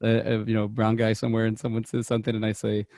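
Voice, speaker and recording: Talking quickly in a lowish, monotone voice with a darkish tone, this podcast co-host of Mexican heritage chats loosely about movies. He laughs a lot, rambles, and keeps stumbling and restarting his sentences. The sound is dry, clean studio audio.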